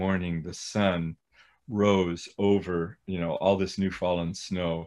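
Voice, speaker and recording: With an American accent, a man speaks at a fairly slow pace in a very deep, low pitch with fairly even intonation. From US. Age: 70s. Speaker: healing ministry director. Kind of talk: interview. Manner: halting.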